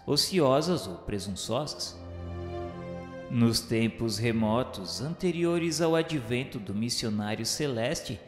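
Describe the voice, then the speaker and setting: A man with a Brazilian accent reads solemn scripted narration for a spiritual radio novel, with formal, oratorical diction. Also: mid-range voice. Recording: echoey hall reverb, music underneath.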